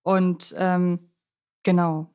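A woman's voice: fairly low pitch, little pitch movement, drawn-out words, a little mellow, clear, resonant tone. Chatty female podcast co-host. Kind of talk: casual film discussion.

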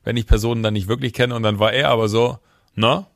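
A man from the Düsseldorf area, a podcast co-host, telling a lively story in casual chat and acting out the dialogue. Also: on the low side, quick pace, creaky, no echo, studio quality. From Düsseldorf area, Germany. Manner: lively storyteller who acts out quoted dialogue; many fillers and restarts.

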